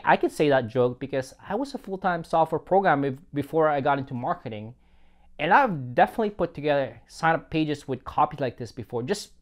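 A man hosting a product onboarding review, narrating from a script with wry jokes and small chuckles. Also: on the high side. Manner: wry, joking, chuckles at own lines. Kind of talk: scripted narration with playful asides.

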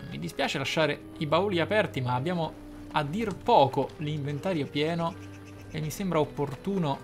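Over game music, a gamer with a fairly high voice talks at normal speed as he hosts a role-playing let's play. He muses aloud, punctuating his commentary with dramatic asides.

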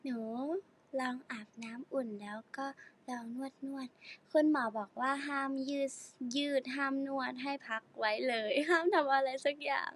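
A woman's voice: high voice, fairly even intonation, moderate pace, a bit bright. A teenage girl idol chatting casually on a live stream, giggling and reading fan comments while sore and sitting stiffly.

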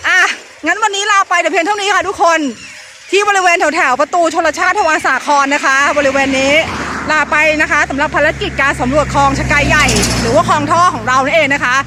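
A woman's voice: sits high, quick pace. A woman vlogger talking nonstop to her viewers outdoors by a busy road and raising her voice over the traffic. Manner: chatty nonstop talker, addresses viewers directly; talks loudly over traffic. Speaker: vlogger and local history guide. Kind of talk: casual walking vlog narration. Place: outdoors beside a busy road by an old canal. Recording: loud traffic noise outdoors. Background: passing cars.

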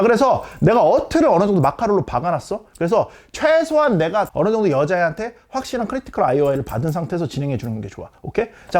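A man's voice: fairly high pitch, a little mellow. A man in his thirties lecturing as a dating coach, blunt and swaggering like a big brother, constantly checking with "okay?". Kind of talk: casual lecture to young men.

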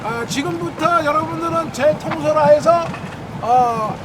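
A man's voice: very high voice, unhurried. A man instructing trainees outdoors at sea in a formal, commanding way, calling out drill orders. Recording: noisy outdoor recording with crowd voices.

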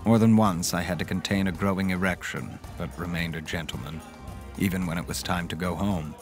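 Low-pitched male actor as lovestruck gentleman telling his own gothic horror tale, music underneath. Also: fairly even intonation, fairly quick. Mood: wistful, sensual. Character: smitten gentlemanly man recounting a dark horror romance. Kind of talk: dramatic first-person audio drama narration.

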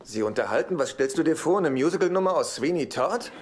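Hapless exasperated sitcom brother, higher-pitched male actor. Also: animated, a little fast, natural voice. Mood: sarcastic, indignant. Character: exasperated, hapless divorced brother, middle-aged man. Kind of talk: German-dubbed sitcom acting. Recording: very noisy sitcom soundtrack.

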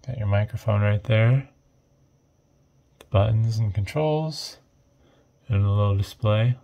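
A man giving casual, off-the-cuff narration of an electronics teardown, thinking aloud in a hesitant, low-key way. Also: unhurried, gravelly, mellow, lo-fi sound. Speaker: host of an electronics teardown video.

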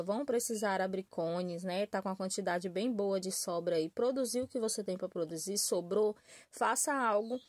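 A woman's voice: medium pitch, no room sound. A woman from Brazil talks her viewers through a handmade crafts kit in a small room. Her voice sits in a middle range and the sound is dry and close. She keeps checking in with "tá?" and "né?" in an easy, chatty way. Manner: chatty, warm-hearted, addresses viewers as "gente", frequent "tá?" and "né?" tags. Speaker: crochet channel host. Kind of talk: casual tutorial talk to viewers. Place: small room at a work table. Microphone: camera filming her hands and table from above.

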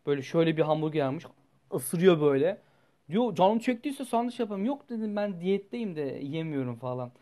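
A young man, a student, telling a story to his viewers in a casual, animated way, blunt and full of swearing, his voice jumping up and down as he goes. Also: a little fast. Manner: animated, blunt and profane, with sudden jumps in pitch and loudness.

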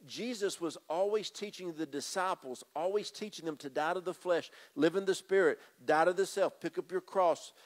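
With a high voice, normal speed and hardly any pauses, a middle-aged pastor preaches to his congregation through a handheld mic. He paces and gestures on a church stage that has a drum kit, hammering home his message by repeating phrases.

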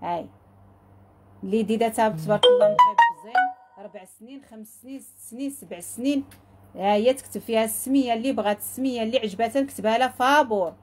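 A woman with a Moroccan accent, pitching jewelry in a repetitive, enthusiastic sales patter. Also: fast, over music. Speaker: jewelry seller.

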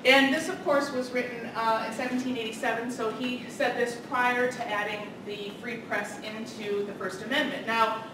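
A middle-aged woman giving a public lecture as a political science professor, loud, energetic and chatty. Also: fairly high pitch. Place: large carpeted meeting room, indoors. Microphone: room camera from the back. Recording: echoey room from far off, noisy.

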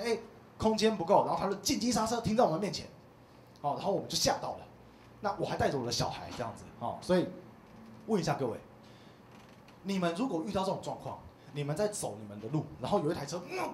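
A man in his thirties performing a stand-up comedy set, telling stories in an animated way and acting out the people in them. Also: a little high. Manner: animated storytelling, acts out quoted voices. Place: small comedy club stage. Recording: echoey comedy club with faint noise.

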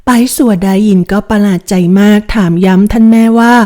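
A woman's voice: medium pitch, steady tone, a little fast, warm tone. A woman hosting a drama recap, retelling the story in a chatty, polite, casual way.

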